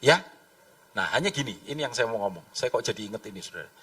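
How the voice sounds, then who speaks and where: Lively pastor preaching from afar. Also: male voice, medium pitch, quick pace, recorded from a distance. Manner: lively, conversational, acts out voices in his stories. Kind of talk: sermon.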